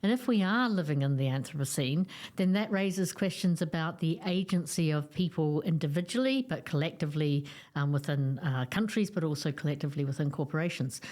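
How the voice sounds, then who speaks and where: A woman co-hosts a podcast conversation in a fairly low voice. She explains ideas in a steady, measured way. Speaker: podcast co-host.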